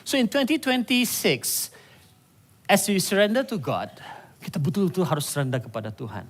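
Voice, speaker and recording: A man preaching a sermon, animated and conversational, with asides to the congregation. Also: sits high, normal speed. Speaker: pastor. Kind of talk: sermon mixing Malay and English.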